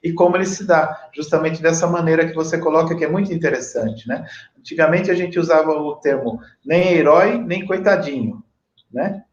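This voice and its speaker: A man with a Brazilian accent hosting a conversational interview in a deliberate, hesitant, rambling way. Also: a little high. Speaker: interview host. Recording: echoey room, dull lo-fi audio.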